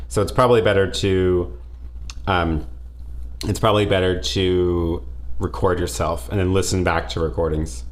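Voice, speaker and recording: A man's voice: low-pitched, steady tone, moderate pace. A man hosting a live question-and-answer stream from a home studio, talking casually and thinking aloud with frequent restarts. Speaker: livestream host answering viewer questions. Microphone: headset or desk mic with headphones.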